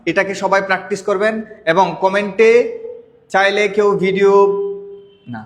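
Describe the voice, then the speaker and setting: A man with a Bengali accent teaching an English lesson, repeating words slowly and asking the listener questions. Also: high-pitched, level tone, long reverb tail. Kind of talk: spoken language lesson.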